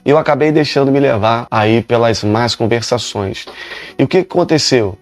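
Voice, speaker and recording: A man's voice: mid-range voice, moderate pace, soft background music. A male pastor, telling his own conversion story emphatically and with many repetitions. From Rio de Janeiro, Brazil. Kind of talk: preaching a personal testimony.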